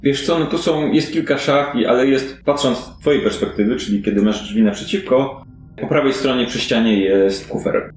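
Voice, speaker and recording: Acting as game master, a man narrates an improvised tabletop role-playing game in a conversational, descriptive style. His voice is mid-range and a little mellow, at a normal pace. Faint background music plays, and the room gives an echo.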